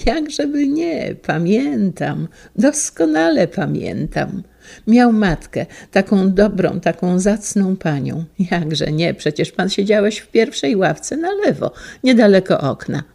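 A woman doing a kindly old schoolteacher in a storybook reading, his trembling voice husky and gravelly, pitched a little lower than most. He speaks slowly and tenderly, in a mellow, dark tone. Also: sing-song, heavily acted. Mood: fond, reminiscing. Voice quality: trembling yet clear voice. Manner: tender, reminiscing.

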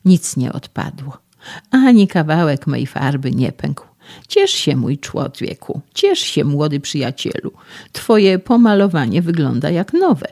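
A man's voice: fairly high pitch, very animated, a little slow, vocal fry, a little mellow, full character voice. A man reading an audiobook, voicing a self-assured physician who lectures a young man in a sermonizing, patronizing way. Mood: lecturing.

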